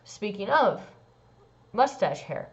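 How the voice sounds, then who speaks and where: A young trans man vlogging a casual personal update, rambling with lots of "like" and "um" and swooping into squeaky high bits. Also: very animated, slow pace. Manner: rambling, many likes and ums. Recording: dull lo-fi sound.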